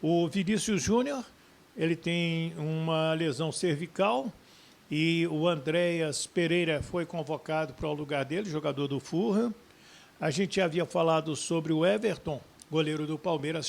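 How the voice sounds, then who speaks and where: A man presents football news for an online audience. His voice sits on the high side and has a strong gravelly creak. He speaks to viewers directly, in a folksy, familiar way. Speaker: sports YouTube host.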